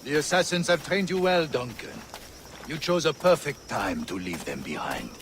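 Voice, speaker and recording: An actor playing a haughty French nobleman with a French accent, lively and mocking, in a video game. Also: a little high, moderate pace, noisy background. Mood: admiring.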